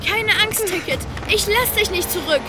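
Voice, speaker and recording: A woman's voice: extremely high pitch, animated, moderate pace. A woman voicing a brave, loyal little talking train in a children's audio drama, with a childlike, earnest manner. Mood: determined. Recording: loud music under the voice.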